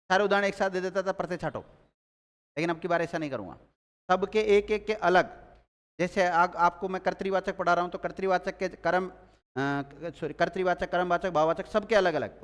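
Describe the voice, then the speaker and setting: A man's voice: sits high, a little fast, in a large hall. A man teaching a grammar class, quizzing his students and repeating key words as they take notes.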